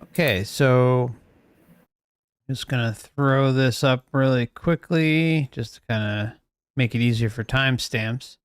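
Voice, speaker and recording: A man's voice: medium pitch, takes it slowly, smooth, no echo. A man hosting a livestream with casual, unscripted commentary, earnest and questioning in manner. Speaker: host of an online livestream.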